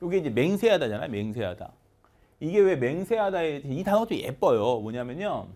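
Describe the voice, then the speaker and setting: A man teaching English vocabulary in an online lecture, animated and leading chanted word drills. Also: a little high, fairly quick.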